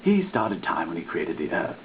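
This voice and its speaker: A man's voice: low voice, wildly swooping pitch, moderate pace. A man giving a dramatic reading of a written text, with a theatrical, emphatic delivery. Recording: tinny lo-fi recording with faint hiss.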